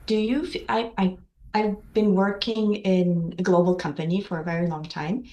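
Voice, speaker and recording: A woman's voice: fairly low pitch, fairly even intonation, normal speed, mellow, roomy sound, highs cut off. A Japanese woman asking questions on a webinar call, hesitant, with many fillers and restarts. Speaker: webinar participant. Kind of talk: casual discussion in a webinar.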